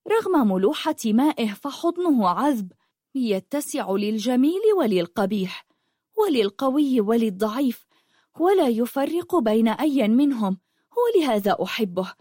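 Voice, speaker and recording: A woman voicing a dreamy sixteen-year-old girl who speaks of the sea in a soft, poetic way. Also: on the high side, no room sound, clean studio sound, voice pushed up.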